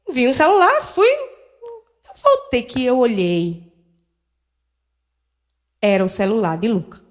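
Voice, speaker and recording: A middle-aged woman, telling a personal story as a lecturer at a spiritist center, candid and self-deprecating, acting out dialogue with shifting voices. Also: mid-range voice. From Northeast Brazil.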